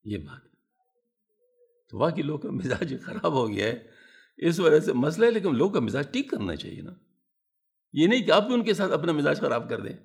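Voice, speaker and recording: A man preaching a sermon in a mosque, speaking calmly and unhurriedly into a microphone without shouting. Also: a little high, creaky. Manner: calm, unhurried, deliberately not shouting. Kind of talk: Islamic sermon. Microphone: loudspeaker microphone.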